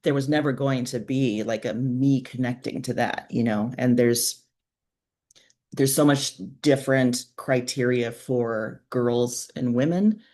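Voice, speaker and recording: A woman's voice: rumbling low, fairly even intonation, measured pace, mellow. A woman in her forties speaking reflectively and frankly as a guest author in a conversational interview. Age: 40s.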